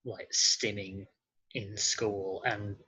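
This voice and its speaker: A male voice in the late twenties, giving a personal account as a podcast guest in hesitant, halting phrases. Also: lowish voice, flat delivery, sharp tone, breathy edge, rough recording.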